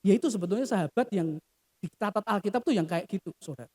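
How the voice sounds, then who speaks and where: A woman's voice: mid-range voice, expressive, rapid-fire, warm tone, slightly rough. A woman pastor delivering a sermon, acting out quoted prayers and often addressing the congregation directly. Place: church. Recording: reverberant church hall.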